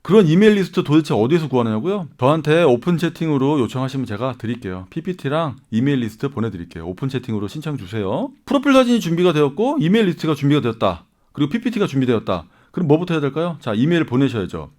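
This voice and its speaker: A man's voice: a little high, big pitch swings, fast, hardly any pauses, a little mellow. A man, an acting coach, giving casual advice to viewers and often checking in with rhetorical questions. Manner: chatty, asks listeners rhetorical questions. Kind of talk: casual YouTube advice talk.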